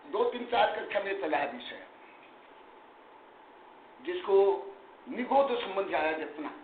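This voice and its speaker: Animated high-voiced man teaching scripture. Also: unhurried. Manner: emphatic, animated, chiding students, mixes English terms. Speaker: Jain monk teacher. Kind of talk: scripture study class. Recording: echoey room, tinny phone-like sound, faint noise.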